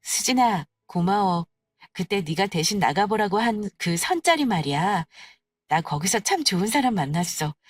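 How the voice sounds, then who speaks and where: A woman playing a patient, polite, quietly confident young bride-to-be in an audio story, with composed and gentle phrasing. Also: mid-range voice, expressive, normal speed, no echo, clean studio sound, close to an everyday voice. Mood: pleased. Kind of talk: acted dialogue in an audio story.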